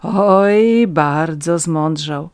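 A reader voicing a fawning, red-nosed petty scribe, a man who begs for vodka and wheedles his listeners in a high, eager voice. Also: very slow, smooth, no room sound, studio quality. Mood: wheedling. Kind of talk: audiobook reading.

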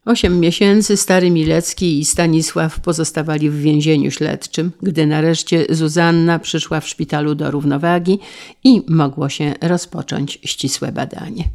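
A woman narrating an old novel aloud with steady, expressive storytelling. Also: deep voice. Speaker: audiobook narrator. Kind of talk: dramatic novel reading.

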